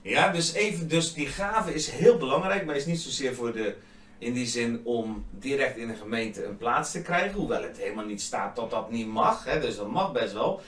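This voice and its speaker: A man co-hosting a faith podcast, earnestly explaining scripture in a casual way and getting animated when he quotes. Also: medium pitch, moderate pace. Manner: earnest, animated when quoting, speaks in tongues at times. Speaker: podcast co-host. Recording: roomy echo, distant from mic, faint noise.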